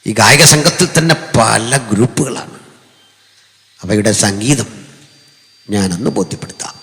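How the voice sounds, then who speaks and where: A male pastor preaches to a congregation, his voice moving from easy joking to loud bursts of emphasis. His tone is bright and lively, with wide swings of pitch. The sound carries the long reverb of a big hall. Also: unhurried. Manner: conversational preaching with joking asides, rising to loud emphatic shouts. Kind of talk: sermon. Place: large hall with amplifier.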